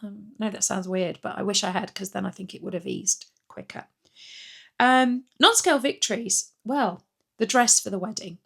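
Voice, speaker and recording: A middle-aged woman talks through a casual vlog update, her voice croaky from a cold. She rambles a little and restarts often. Her tone is gravelly, and her pitch sits in the middle. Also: moderate pace, a bit bright. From Britain. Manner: rambling, chatty, frequent ums and restarts. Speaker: weight-loss vlogger.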